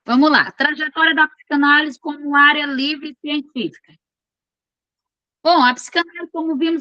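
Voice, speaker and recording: A woman's voice: sits high, bright, forceful tone, dry recording, muffled recording. A woman teaching an online class. She reads from course notes and keeps checking in with her students in a chatty, informal way.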